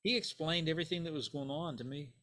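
A man's voice: on the high side, fast, pushed and bright. Older man with Italian roots, rambling. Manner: rambling, tag questions like "right?" and "you know". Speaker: bassist guest. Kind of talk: casual interview storytelling.

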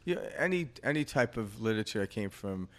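A man's voice: on the low side, expressive, brisk, fairly bright tone. A man in his fifties co-hosting a podcast, talking in a rambling, reflective way with lots of fillers and easy laughter. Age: 50s. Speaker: podcast co-host. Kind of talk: casual spiritual chat.

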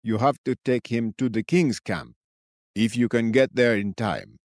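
A man voicing a cracked-voiced, eccentric old male sentry of the woods, croaking slowly. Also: mid-range voice, a little mellow, dry recording, clean studio sound, natural voice. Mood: mysterious. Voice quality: croaking, slow, theatrical.

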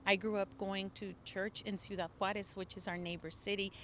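A middle-aged woman whose first language is Spanish speaks with earnest emphasis, pressing her points with occasional restarts. She is recorded outdoors, with faint ambient noise behind her voice, and her pitch sits in a middle range. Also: flat delivery, brisk, a bit bright. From El Paso, Texas border region. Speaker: interview guest. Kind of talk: impassioned political testimony. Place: outdoors near the border.

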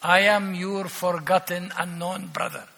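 An older man delivers a sermon at a slow, deliberate pace, his voice high and very bright. He leans on emphasis and dry irony, and the sound rings out with a long reverb from the church hall. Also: level tone, creaky. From Palestine. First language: Arabic. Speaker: archbishop preaching as guest. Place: large church.

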